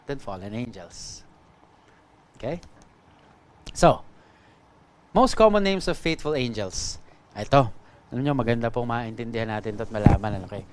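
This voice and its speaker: A Filipino Catholic priest and exorcist giving a teaching talk, mixing Tagalog and English and checking in with "no?" and "okay?". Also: male voice, mid-range voice, slight background noise. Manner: switches between Tagalog and English, frequent "no?" and "okay?" tags; addresses the audience politely with "po". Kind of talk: teaching talk on spiritual warfare.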